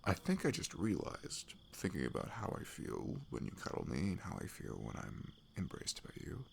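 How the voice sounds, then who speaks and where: A man playing a sweet, nervous young best friend in an intimate ASMR roleplay, speaking haltingly with a husky, breathy voice that drops toward whispers. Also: sits low, huge pitch swings, slight background noise, exaggerated voice. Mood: nervous, tender. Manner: hesitant, halting, slipping into whispers.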